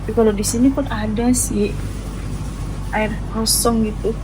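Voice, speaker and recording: A woman's voice: on the high side, flat delivery, normal speed, noisy background. A woman talks casually to her viewers. She sounds like a vlogger narrating an outing as she goes, in an informal, chatty style. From Indonesia. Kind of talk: casual vlog chat to viewers. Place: walking around a busy outdoor amusement area and nearby shop.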